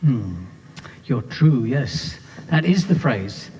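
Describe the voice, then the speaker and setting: A man playing a formal inquiry moderator, officious and steady. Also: medium pitch, slow pace. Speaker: stage actor. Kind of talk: amateur stage play. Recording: dull sound, hall reverb from a stage.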